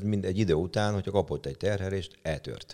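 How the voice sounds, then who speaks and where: With a dark, mellow tone and fairly even intonation, a man speaks at a very fast pace. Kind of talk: casual interview.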